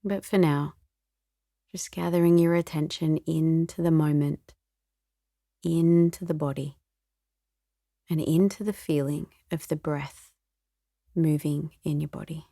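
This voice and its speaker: A female meditation teacher guides a session in a soothing, gentle, unhurried manner, her soft voice sometimes turning breathy. Her voice sits low and her tone stays steady, in studio-quality audio with no echo.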